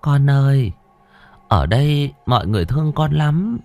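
A man's voice: medium pitch, expressive, moderate pace, creaky, warm tone, faint music behind, pitched above the performer's own voice. A man doing a honeyed, coaxing rich lady. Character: sweet-talking wealthy older village lady.

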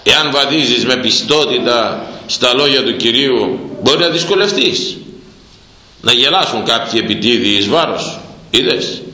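A man preaching a sermon in a fiery, repetitive way, breaking into sudden loud bursts. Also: medium pitch, expressive. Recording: roomy echo.

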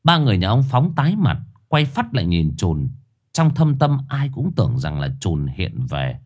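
A man's voice: lowish voice, a little mellow, slightly rough. A man telling a scripted horror story dramatically.

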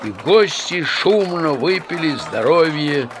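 A man narrating a literary radio play in a measured, expressive storytelling manner. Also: on the high side, crowd noise.

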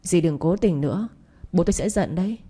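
A woman's voice: on the low side, brisk, dark tone, slightly rough. A woman voicing a guilt-ridden young man who speaks curtly and reproachfully to his stepmother. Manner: curt, reproachful.

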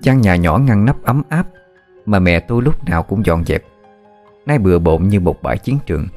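A man reading a scripted horror story in a steady, somber way. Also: low voice, normal speed, soft background music.

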